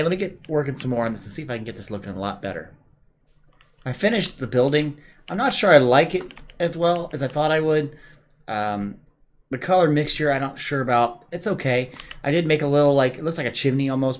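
A man hosting a gameplay video, calmly explaining his build step by step with plenty of "uh"s, while his voice is going a bit hoarse. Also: mid-range voice, slight background noise. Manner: relaxed, explaining step by step with many "uh"s. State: losing his voice. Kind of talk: casual building commentary.

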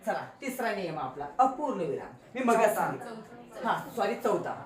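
With a sing-song, mid-range voice at normal speed, a Marathi-accented woman teacher leads children through a grammar lesson. She teases them playfully and fires call-and-response questions. The room is echoey, and the children can be heard.

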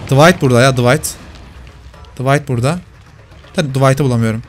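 A man's voice: medium pitch, moderate pace, soft background music. A man commenting live on his own gameplay, teasing the players he hunts.

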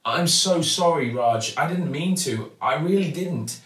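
A sad, polite little schoolgirl from a storybook, played by a man reading aloud. The voice is pitched up and downcast, in a roomy space. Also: expressive, measured pace, a bit bright. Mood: apologetic. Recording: roomy, slightly distant mic.

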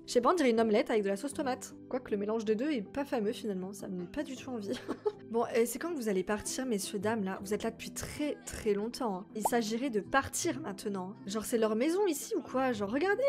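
High-pitched excitable young woman gamer. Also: fast talker, faint music behind. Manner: chatty, excitable, talks straight to viewers. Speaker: gaming YouTuber. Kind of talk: casual let's-play commentary.

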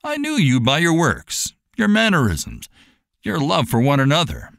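A man's voice: on the high side, wildly swooping pitch, moderate pace, vocal fry, a bit bright, no room sound, studio quality, voice pushed up, heavily acted. A man voicing a kindly, devout fair owner in a storybook, speaking in an earnest, preaching, emphatic way. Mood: warm, assured.

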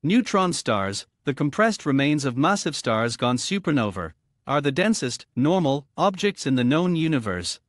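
A man reading a text aloud as a model exam answer, in measured phrases. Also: fairly high pitch, big pitch swings, no room sound.

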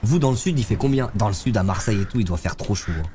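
A young man with a lowish, mellow voice streams a game live from a gaming chair, chatting loosely and quickly with viewers in slang. His intonation is lively despite being congested with a head cold, and there's slight background noise.

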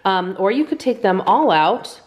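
A woman's voice: medium pitch, lively intonation, measured pace, dull audio, a little hiss or hum. A woman in her thirties narrating a casual home cooking vlog as she explains her meal prep. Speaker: lifestyle vlogger and home cook. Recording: music behind the voice. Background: background music.

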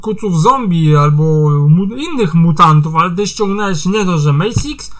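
A man's voice: sits high, expressive, moderate pace, a bit bright. A man reading his own fan fiction aloud in a loose, casual manner, with slang and heavy swearing. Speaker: amateur fan fiction reader. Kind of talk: casual story narration.

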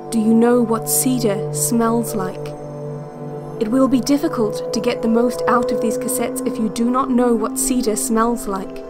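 An actress plays a calm, controlling female guide on a relaxation cassette in an audio drama. Her voice is fairly high, with measured, deadpan instructions and veiled intent. Music plays clearly behind her. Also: lightly acted. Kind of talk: guided relaxation audio, scripted fiction podcast.

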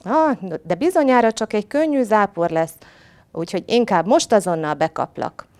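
A woman voicing a fierce but gullible male tiger in a storybook tale, loud and blustering. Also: medium pitch, lively intonation, pitched above the performer's own voice, lightly acted. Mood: nervous. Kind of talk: storybook reading.

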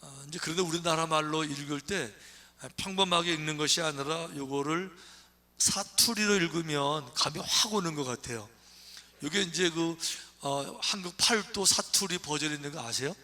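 Bright chatty Korean pastor. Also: male voice, fairly high pitch, moderate pace. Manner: conversational, chatty, with fillers. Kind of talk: sermon. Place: church.

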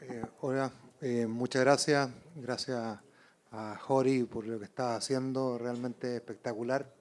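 Middle-aged man, halting audience questioner. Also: medium pitch, fairly even intonation, a little hiss or hum. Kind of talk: spontaneous question and comment at a public talk. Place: auditorium. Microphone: handheld microphone.

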